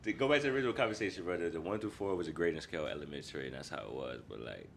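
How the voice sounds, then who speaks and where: A man's voice: animated, racing, vocal fry, a loud crowd. A young man with an African American New York accent, chatting casually in slang as a podcast host. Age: young adult. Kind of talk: casual group chat, slangy. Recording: noisy with low rumble.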